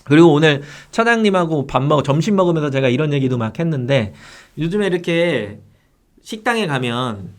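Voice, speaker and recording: A man's voice: fairly high pitch, animated, brisk. A man who teaches online sellers, lecturing casually and often adding tag questions for agreement. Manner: chatty, rhetorical tag questions. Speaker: seller education instructor.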